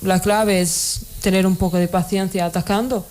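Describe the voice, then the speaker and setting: A woman's voice: mid-range voice, fairly even intonation, a little mellow. Young Portuguese woman speaking Spanish. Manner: halting, repeats words, says "¿sabes?" often. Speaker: futsal player. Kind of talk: radio interview answers.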